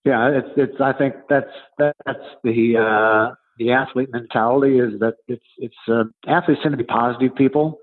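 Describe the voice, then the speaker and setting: A man in his seventies answering interview questions conversationally as a coach and author, explaining in a halting way and repeating words as he thinks. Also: mid-range voice, fairly even intonation, narrow, tinny audio. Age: 70s.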